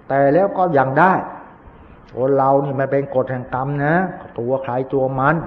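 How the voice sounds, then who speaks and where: An older Buddhist monk giving a sermon, telling a story in an earnest, admonishing way. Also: male voice, medium pitch. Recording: dull lo-fi recording in a long-reverb hall.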